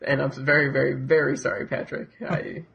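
A man's voice: medium pitch, level tone, fairly quick, gravelly, dull audio. A man on a casual podcast who rambles in a self-deprecating, apologetic way. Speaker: podcast panelist.

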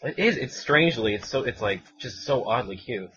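Bright-voiced man on a dull recording. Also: medium pitch, animated, normal speed, slightly rough. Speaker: quiz contestant. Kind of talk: casual chat.

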